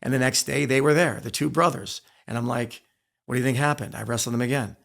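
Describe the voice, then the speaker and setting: A man's voice: medium pitch, quick pace, vocal fry, a bit bright. A middle-aged man speaking as a podcast guest, telling candid stories from his sporting life in an emphatic way, repeating phrases for weight. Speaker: interview guest, former wrestler and coach. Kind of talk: candid storytelling in a podcast interview.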